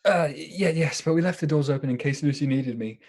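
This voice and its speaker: Husky, earnest, anxious suitor. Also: male voice, a little high, fairly quick, a little mellow. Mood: distraught. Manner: hesitant, emotional, stammering when alarmed. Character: earnest, anxious lovesick man, doctor and narrator. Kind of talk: theatrical radio drama acting and narration.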